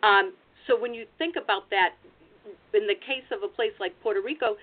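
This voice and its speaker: Speaking at normal speed in a medium pitch, this American woman presents as a genealogy researcher sharing practical tips. It's an explanatory webinar held over a video call, captured with thin, phone-like online audio.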